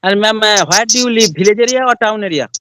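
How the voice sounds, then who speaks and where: A man's voice: high voice, fast talker, pushed and bright, no echo, studio quality. A man interviewing a learner in English, politely saying "yes, yes" between her answers. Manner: polite, frequent "yes, yes" acknowledgements.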